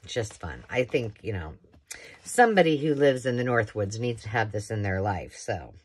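Showing thrifted books at a craft table indoors, a craft channel host talks in a chatty, rambling style full of enthusiastic asides. Her rumbling low voice has a breathy edge and big pitch swings, at normal speed.

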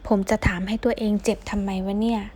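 A woman reading a first-person novel aloud in a slow, inward, reflective way. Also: mid-range voice, flat delivery, mellow. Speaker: audiobook reader.

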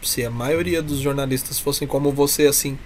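A man's voice: medium pitch, steady tone, brisk, darkish tone. Brazilian man, emphatic, over faint noise. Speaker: interview guest, member of a comedy troupe. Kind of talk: casual chat.

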